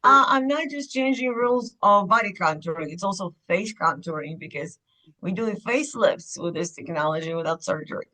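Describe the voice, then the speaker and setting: A woman speaks as a podcast guest, her voice bright and forward. She tells her story candidly and at an unhurried pace. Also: mid-range voice, lively intonation, poor audio. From Ukraine. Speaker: guest, clinic owner. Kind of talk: podcast interview.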